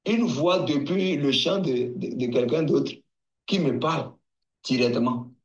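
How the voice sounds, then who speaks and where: A man from Togo telling his testimony at an unhurried, deliberate pace. His voice sits at a middle pitch. He speaks haltingly, often restarting and repeating words. The sound is dull and lo-fi. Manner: hesitant, halting, with many restarts and repetitions. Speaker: guest giving a testimony. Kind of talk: slow personal testimony.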